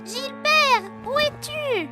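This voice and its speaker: Little boy, children's cartoon, very high, bright, childlike, curious, earnest. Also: lively intonation, slow pace, faint music behind, exaggerated voice. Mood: worried. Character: cheerful, curious four-year-old boy. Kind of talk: French-language children's cartoon acting.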